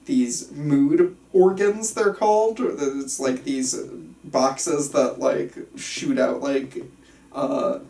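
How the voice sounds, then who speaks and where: A man in a casual group discussion, explaining ideas enthusiastically in halting, digressive runs. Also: fairly high pitch, dark tone. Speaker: participant at a film script table reading. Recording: roomy, picked up from a distance.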